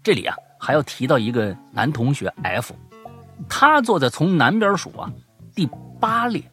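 A male podcast host reading listener stories aloud and chatting about them, talking in a lively, excitable way and stammering and repeating himself when worked up. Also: fairly high pitch, normal speed, soft background music. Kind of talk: casual storytelling podcast.

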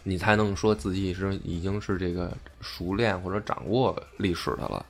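Man, low voice, casual history podcast host, deliberate rephrasing, music behind. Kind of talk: casual history talk, explanatory.

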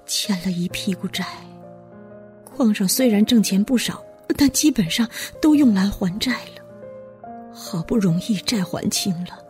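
A woman playing a weary, resentful village wife and mother in an audio drama monologue, speaking haltingly with sighs. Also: mid-range voice, a little mellow, lightly acted.

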